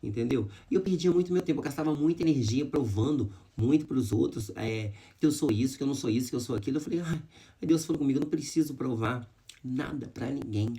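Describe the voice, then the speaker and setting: Gravelly man sharing a personal testimony. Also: mid-range voice, fast talker, dark tone. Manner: emotional, addresses viewers as "gente", religious. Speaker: vlogger.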